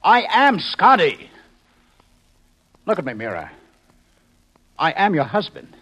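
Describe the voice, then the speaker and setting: A man's voice: high-pitched, very animated, slow pace, fairly bright tone, husky, highs cut off, heavily acted. An American man acting an agitated, indignant husband in a 1950s radio science fiction drama, with emphatic delivery. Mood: desperate, pleading. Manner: emphatic, exasperated, swooping delivery. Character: agitated, indignant husband, a future security chief.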